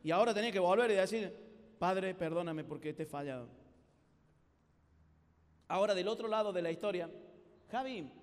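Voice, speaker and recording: Animated high-voiced preacher in a hall. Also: male voice. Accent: Rioplatense Spanish. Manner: animated storytelling with acted-out voices. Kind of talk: lively youth sermon. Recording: live sermon with long hall reverb.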